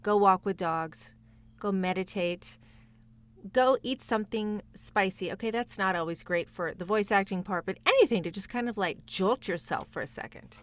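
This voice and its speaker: A woman's voice: medium pitch, moderate pace. A woman talking casually as a voice actor guest on a podcast, encouraging and speaking straight to the listeners. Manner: encouraging, addresses listeners directly. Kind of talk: casual conversational interview.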